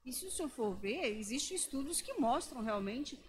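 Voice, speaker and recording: A woman's voice: high voice, very animated, normal speed, a little hiss or hum. A woman preaching a sermon in a conversational, storytelling way, often adding tag questions.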